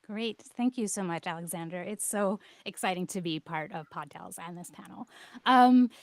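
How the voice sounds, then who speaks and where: A woman's voice: fairly low pitch, moderate pace, darkish tone, dry recording. Enthusiastic woman guest, dry close sound. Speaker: podcast creator, panel guest. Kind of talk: explanatory panel talk.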